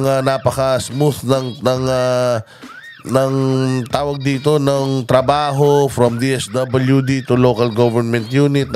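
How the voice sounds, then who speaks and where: A man giving impassioned political commentary, halting with many fillers and outbursts of swearing. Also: mid-range voice, darkish tone. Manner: hesitant, many fillers, switches into English, angry swearing.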